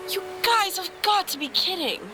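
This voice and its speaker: A woman's voice: very high voice, animated, moderate pace, loud music behind the voice. A woman playing a sceptical, reluctant superheroine in an audio drama, with an exasperated, protesting manner. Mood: incredulous. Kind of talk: fiction podcast acting.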